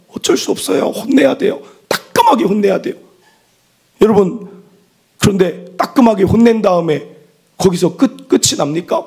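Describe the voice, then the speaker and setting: A man's voice: high-pitched, husky. A man in his thirties preaching a sermon as pastor, asking the congregation questions and building to impassioned peaks.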